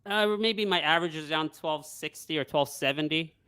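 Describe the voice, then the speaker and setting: A man who works as a stock trader, talking casually in a live market discussion and pitching his view with confident emphasis. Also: fairly quick, bright, forceful tone, clear, resonant tone, dry recording.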